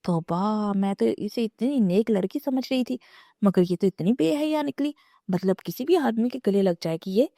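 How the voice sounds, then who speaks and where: A woman doing a shrill, gossiping auntie. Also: expressive, mellow, dry recording, clean studio sound, close to an everyday voice. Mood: scandalized. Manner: shrill, dramatic exclamations. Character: gossipy scandalized middle-aged aunt.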